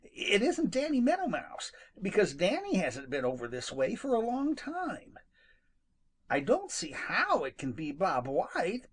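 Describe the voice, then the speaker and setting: A storybook narrator voicing a timid, indignant young male rabbit in a high, excited voice. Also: breathy edge, heavily acted.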